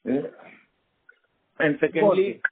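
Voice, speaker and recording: A man's voice: a little high, slow, noisy background. Hesitant man on a tinny phone line. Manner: hesitant, many fillers and restarts. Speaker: company executive answering analysts. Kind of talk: earnings call answers.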